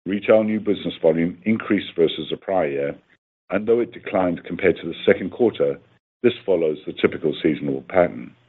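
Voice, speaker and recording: A man with a very low, husky voice delivers a scripted financial report. He reads formally and evenly paced, like a company executive. The sound is narrow and phone-like, as on a conference line. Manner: formal, measured reading of figures. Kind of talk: scripted earnings call presentation.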